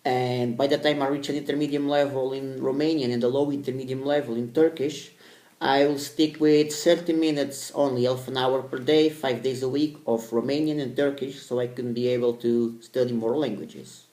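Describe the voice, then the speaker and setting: A man's voice: medium pitch, steady tone, normal speed, a little mellow. A man whose first language is Portuguese, talking casually to camera in English, hesitant and repeating himself. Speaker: vlogger. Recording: echoey room.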